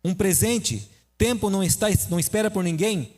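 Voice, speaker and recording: High-voiced male pastor preaching in a hall. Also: moderate pace, a little mellow. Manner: storytelling, conversational with rhetorical questions. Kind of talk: sermon.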